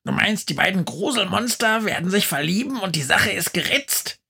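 A man voicing a nervous male crow in an audio storybook, with a shrill, fretful way of objecting. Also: lively intonation, normal speed, gravelly, sharp tone, slightly rough, heavily acted. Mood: alarmed. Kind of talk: storybook narration.

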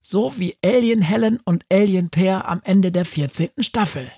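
A man voicing a fussy, pedantic sheep that bleats and nitpicks in a high, strained, raspy voice. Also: dark tone, no room sound, exaggerated voice. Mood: ranting. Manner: bleats, nitpicks, rants fast.

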